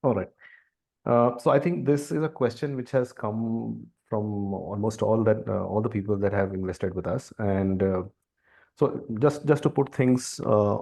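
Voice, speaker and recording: A male company executive addresses investors on a conference call. His voice is mellow and relaxed with some fry. He explains in a deliberate, halting manner, working through each point carefully. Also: lowish voice. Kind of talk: earnings call briefing.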